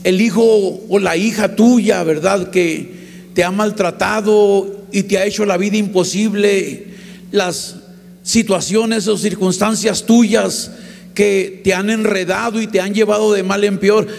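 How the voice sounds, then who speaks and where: A man with a Mexican accent gives a passionate sermon testimony, often shouting as he preaches. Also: high voice, steady tone, unhurried, vocal fry. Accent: Mexican Spanish. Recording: echoey hall with faint hum.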